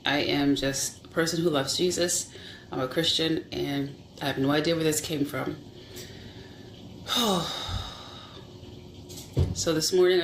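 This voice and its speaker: A Christian person sharing a vision as a spiritual testimony, halting, searching for words and repeating phrases. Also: medium pitch, a bit bright. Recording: roomy echo with faint background hum.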